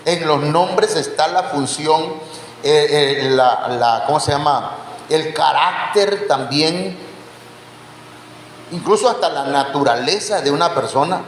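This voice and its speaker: Male preacher, slow unhurried delivery with a raised pitch, quizzes the flock, roomy hall reverb with a faint background hiss. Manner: quizzes the congregation with questions; addresses listeners as brothers. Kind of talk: Bible teaching sermon. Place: church hall. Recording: echoey church hall, faint background noise.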